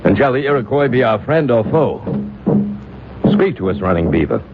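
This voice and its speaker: A solemn, formal tribal leader with sweeping intonation. He declaims in old-time radio style, with loud music behind a narrow-band recording. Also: medium pitch, sing-song, moderate pace. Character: solemn, commanding male tribal council leader.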